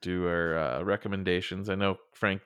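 A man's voice: low voice, fairly even intonation, normal speed, fairly bright tone, clean tone, no room sound, clean studio sound. A man from Massachusetts co-hosting a podcast, bantering and chuckling in casual chat. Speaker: podcast co-host.

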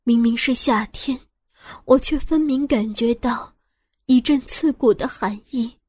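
慢条斯理、声音偏高的女主播. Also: female voice, fairly high pitch, a little slow, mellow, husky, no echo. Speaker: audiobook narrator. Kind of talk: first-person audio story narration.

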